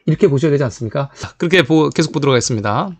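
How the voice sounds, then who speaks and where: A man's voice: on the high side, racing, no echo. A man giving a live history lecture who talks straight to his viewers, asking rhetorical questions and stressing key points. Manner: animated, rhetorical questions, addresses viewers directly.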